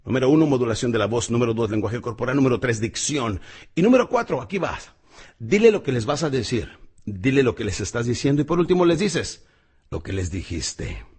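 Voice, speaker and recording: A middle-aged man with a slightly husky voice, teaching public speaking in an emphatic, motivational audio lesson. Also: sing-song, a little fast, a little mellow. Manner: emphatic, swings pitch and volume widely.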